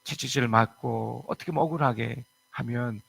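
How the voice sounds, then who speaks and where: A man's voice: medium pitch, moderate pace, vocal fry, a bit bright, low-quality recording. A man preaching a church sermon as pastor, reading scripture verses aloud and retelling a parable in earnest.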